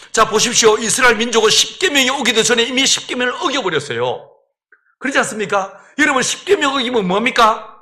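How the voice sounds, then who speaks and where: Lively Gyeongsang-accented male pastor. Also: sits high. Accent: Gyeongsang Korean. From Gyeongsang region, Korea. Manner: animated storytelling, acting out dialogue. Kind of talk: sermon.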